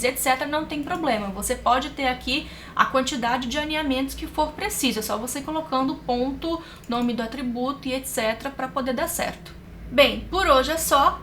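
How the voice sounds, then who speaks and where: Woman, programming instructor, high-pitched and crisp, clear step-by-step screencast delivery. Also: sharp tone, a little hiss or hum. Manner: explains step by step, addresses viewers directly. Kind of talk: screencast coding tutorial.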